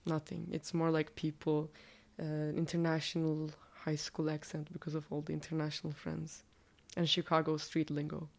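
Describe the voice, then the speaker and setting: A woman from Turkey, whose first language is Turkish, speaks casually in an interview. Her voice is a little nasal and sits somewhat low. She rambles in a chatty way, leaning on fillers. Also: completely flat delivery, normal speed, gravelly, a little mellow. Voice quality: slightly nasal, fairly deep voice.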